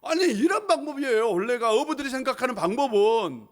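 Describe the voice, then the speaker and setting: A man preaching a sermon as pastor of a church, animated and full of questions to the congregation, now and then shouting out dramatic lines. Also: very high-pitched, brisk. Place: church sanctuary.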